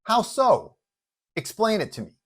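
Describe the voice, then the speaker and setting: A man's voice: high-pitched, wildly swooping pitch, unhurried, fairly bright tone, slightly rough, voice pushed up, exaggerated voice. A man voicing a flabbergasted, idealistic superhero boyfriend in a story, stammering and incredulous. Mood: skeptical.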